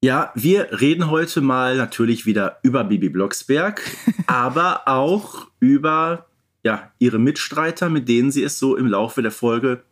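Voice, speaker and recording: A man co-hosts a podcast from his home over a remote connection. His voice sits at a middle pitch, and he talks in a casual, conversational way. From Germany. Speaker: podcast co-host. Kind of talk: casual chat.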